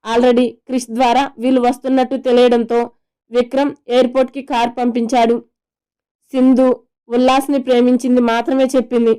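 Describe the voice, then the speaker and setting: A woman storyteller reading a romantic family story aloud in a steady, even way. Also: fairly high pitch, brisk, clean tone. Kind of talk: scripted story narration.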